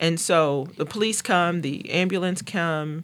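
A woman with an American accent talks at a fairly low pitch, using ordinary pitch variation. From North Carolina and the Bronx, New York. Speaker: state police commander. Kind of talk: interview. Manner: animated.

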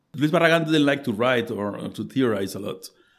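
Here a man speaks with a Spanish accent. His pace is fairly quick. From Mexico, Zamora, Michoacán. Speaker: design school director. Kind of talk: interview conversation. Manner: halting, frequent repetitions and fillers.

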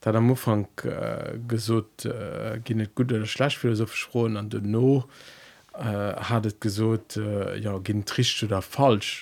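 Intonation stays monotone and flat. The pace is very slow. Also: man, medium pitch for a man. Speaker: podcast co-host, school teacher. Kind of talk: casual philosophical discussion. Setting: recording studio.

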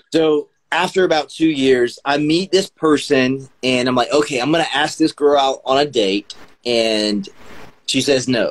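A man with an American accent and an ordinary speaking voice, fairly high-pitched with ordinary pitch variation, very even loudness and a fairly slow pace. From US South, South Carolina. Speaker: pastor, former adult film actor. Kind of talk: testimony.

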